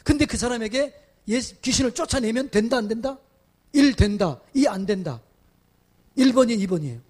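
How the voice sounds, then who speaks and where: A male pastor preaching at a revival meeting. He questions the congregation and builds to loud exhortations. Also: very high-pitched, expressive, a little fast. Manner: acts out quoted voices in dramatic asides. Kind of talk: revival sermon.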